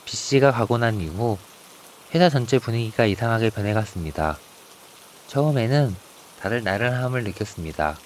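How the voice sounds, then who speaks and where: A man narrating a scripted ghost story in a hushed, suspenseful way, with rain behind his voice. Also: lowish voice, expressive, normal speed. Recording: rain ambience noise behind voice.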